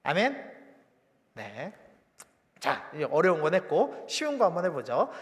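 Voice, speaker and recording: A man in his thirties preaching a conversational, animated sermon as a pastor in a church sanctuary. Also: on the high side, measured pace. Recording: reverberant church hall.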